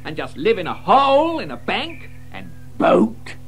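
An actor playing a boastful, wheedling, excitable gentleman toad in an audio drama, pompous and theatrical. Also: sits high, a little slow, soft background music, full character voice.

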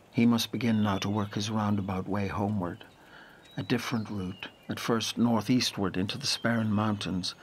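Guy acting a storyteller for an audio drama, lowish voice, brooding and lyrical, really measured. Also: slight background noise, lightly acted. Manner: measured, lyrical, deliberate phrasing. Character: brooding male storyteller of a boy's lonely journey. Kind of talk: literary audio drama narration.

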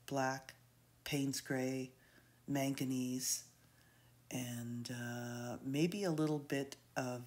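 A woman with a head cold, rambling and hesitant with many fillers, giving an unscripted painting tutorial. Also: rumbling low. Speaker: art instructor.

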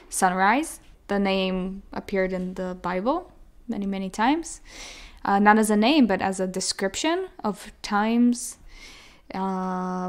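A young woman in her twenties with an American accent, talking as a guest in a relaxed interview. Her voice sits at an ordinary middle pitch. She speaks earnestly, often doubling her words for emphasis. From Israel. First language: Hebrew. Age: 20s. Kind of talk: casual interview conversation.

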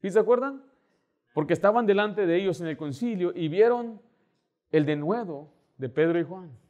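Man, pastor, sermon, animated delivery, slightly high voice. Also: moderate pace, muffled recording. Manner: animated, acts out door-knocking scenes.

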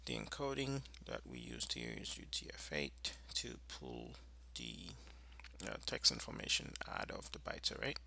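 A man presenting an informal screencast tutorial, explaining in a halting, improvised way. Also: very deep voice, wildly swooping pitch, gravelly, pushed and bright.

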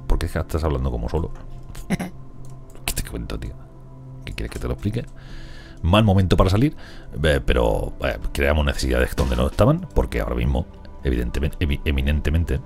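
A man's voice: extremely low pitch, vocal fry, a little mellow. A man with a Spain Spanish accent giving rambling, chatty gameplay commentary and talking to his characters. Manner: rambling, chatty, talks to colonists. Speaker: gaming streamer. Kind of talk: casual let's play commentary.

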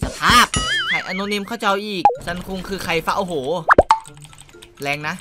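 A man giving casual gameplay commentary as a gaming YouTuber, brash and swearing, shouting at opponents, his voice near cracking. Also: high voice, steady tone, moderate pace. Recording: game music behind.

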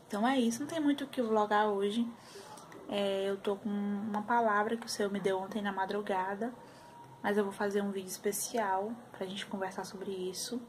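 A woman, chatting softly to camera in a casual home vlog. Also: mid-range voice, a little hiss or hum. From Brazil. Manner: soft, chatty, sliding into baby talk. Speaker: vlogger mother. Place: apartment at home.

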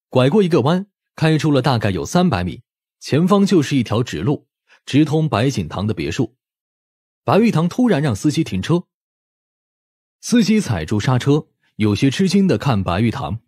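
A man's voice: medium pitch, a little mellow, husky, no echo, studio quality. A man reading scripted audiobook narration in a dramatic storytelling style.

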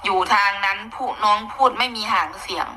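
A woman's voice: medium pitch, brisk, sharp tone, slight background noise, poor audio. A woman with a Northeastern Thai Isan accent giving chatty, opinionated gossip commentary, often exclaiming. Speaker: online commentator.

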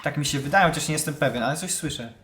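A man giving chatty live commentary on a horror game, excitable and shouting when scared. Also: on the high side, rapid-fire. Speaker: let's play gamer.

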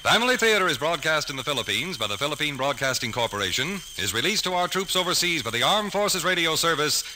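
A man's voice: fairly high pitch, sing-song, quick pace, rough recording. A man announcing the credits of a 1940s radio show in a formal, polished scripted style. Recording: old radio broadcast, loud music behind.

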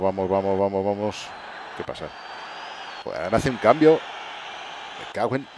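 A man with a fairly low voice narrates his own football game match like a mock sports commentator. He swings from quick muttering to bursts of loud cheering. A faint hiss sits under the home recording. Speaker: gaming channel host. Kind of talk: excited let's-play commentary. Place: home room at night.

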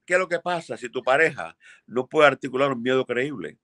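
Here the older immigration lawyer sounds animated and a bit bright, speaking fairly quickly at medium pitch in a dry, studio-quality recording. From his home office with framed pictures, he responds to viewer questions bluntly and emphatically, repeating things for stress.

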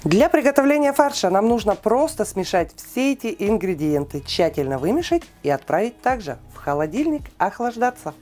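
A woman giving a calm, precise step-by-step cooking voice-over, listing weights and steps, with soft music behind her. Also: mid-range voice, moderate pace, few pauses. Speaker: cooking channel host.

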